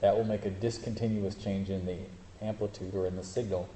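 This fairly low, mellow male voice barely moves in pitch and runs at a fairly quick clip. He's delivering a casual classroom lecture with live demonstrations, fixing his own slips and joking dryly. The hall is roomy and echoey, with a faint hiss underneath.

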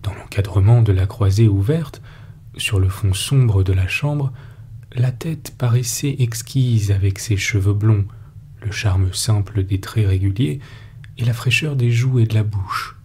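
A man narrating an audiobook story in a measured, steady storytelling manner. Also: lowish voice, a little hiss or hum. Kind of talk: scripted narration.

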